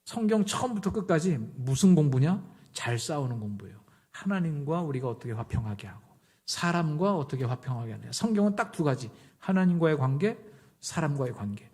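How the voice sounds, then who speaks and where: Middle-aged man, pastor, chatty sermon delivery, slightly high voice, voices both sides of a quarrel. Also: sing-song, a little fast, darkish tone. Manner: conversational storytelling, acts out dialogue.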